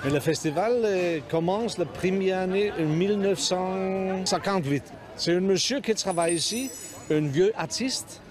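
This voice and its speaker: Man, halting speech, searching for words, outdoors, music behind. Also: sits high. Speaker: interviewee.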